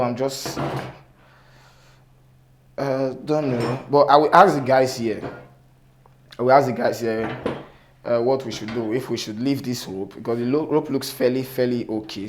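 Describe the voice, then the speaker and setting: A man instructor with a cracked, sore-throated voice, giving an informal hands-on repair tutorial in a halting, repetitive way. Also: medium pitch. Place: indoor workshop table. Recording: noticeable background noise, clicks.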